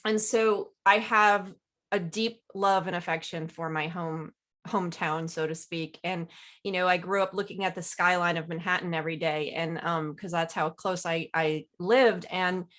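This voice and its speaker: A woman's voice: on the low side, fairly even intonation, normal speed, fairly bright tone. Woman guest chatting easily. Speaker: guest author. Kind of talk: casual interview chat.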